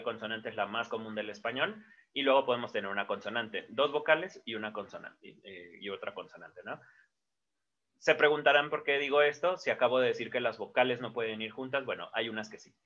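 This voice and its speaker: Bright-voiced male teacher. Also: medium pitch. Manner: explanatory, with frequent fillers and self-corrections. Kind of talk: casual whiteboard lesson. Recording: dull lo-fi sound.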